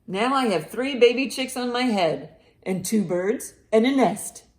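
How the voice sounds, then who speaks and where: Woman voicing an excitable, loud, fretful cartoon elephant. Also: a little high, a little slow, voice pushed up. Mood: exasperated. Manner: exclamatory, exasperated, emphatic. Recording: roomy, echoing sound.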